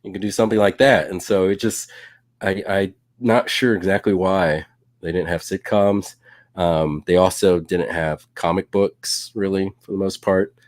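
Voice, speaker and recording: Brief: male co-host, relaxed and jokey, very deep voice, dry sound. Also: normal speed, no room sound. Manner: relaxed, many fillers, jokey. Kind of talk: casual live-stream discussion.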